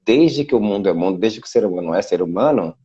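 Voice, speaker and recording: Brazilian man, husky low voice, dull video-call sound, chatty explainer. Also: animated, quick pace, mellow. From Brazil (Salvador, Bahia). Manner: explanatory, many fillers like "né". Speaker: guest, international relations specialist. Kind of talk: casual video interview. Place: Portugal.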